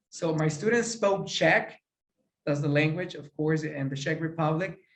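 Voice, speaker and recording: In a room with audible echo, a man talks at a high pitch with ordinary pitch variation. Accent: Spanish. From Mexico. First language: Spanish. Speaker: teacher. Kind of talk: lecture. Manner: halting.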